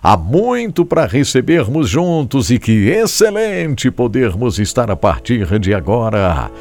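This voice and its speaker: A man's voice: mid-range voice, very animated, unhurried, a little mellow. A man with a Brazilian Portuguese accent hosting a live Christian broadcast, upbeat and often tagging his sentences with "né?". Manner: upbeat, tags questions with "né?". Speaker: host of a Christian program. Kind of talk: live devotional broadcast talk. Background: guitar music.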